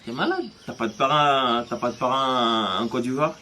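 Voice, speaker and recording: A man's voice: mid-range voice, moderate pace, sharp tone, slight background noise, voice pushed up, natural voice. A man voicing his compatriots, who scoff and scold him in disbelief. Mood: incredulous scolding. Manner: mocking, incredulous. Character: group of scolding male compatriots, incredulous.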